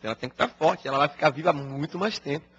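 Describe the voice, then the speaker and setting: A man voicing a calm, wise old male sage who gives patient, reassuring counsel, recorded as dull lo-fi broadcast audio. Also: on the high side, quick pace, slightly rough, full character voice.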